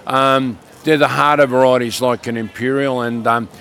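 An older man with a croaky voice from a lingering cough, talking through his market produce in a chatty, plainspoken way. His pitch sits in the middle of the male range. Faint street noise hums behind him. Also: fairly even intonation, normal speed, a bit bright. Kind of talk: casual radio chat.

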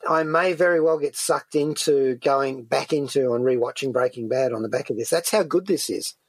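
Male radio host for conversational reviews: enthusiastic, discursive, rough-edged husky voice, very dry studio sound. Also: medium pitch, normal speed, no room sound.

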